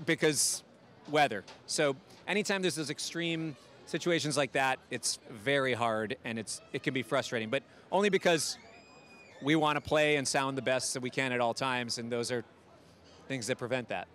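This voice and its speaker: A man from Minneapolis, a touring musician, giving relaxed, rambling answers in an interview. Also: mid-range voice, normal speed. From Minneapolis, USA.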